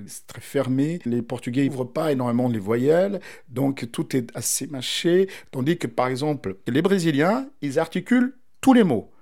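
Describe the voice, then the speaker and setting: A man's voice: medium pitch, a little mellow. A man in his forties from Mozambique, giving a thoughtful interview answer and circling back to rephrase his ideas. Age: 40s.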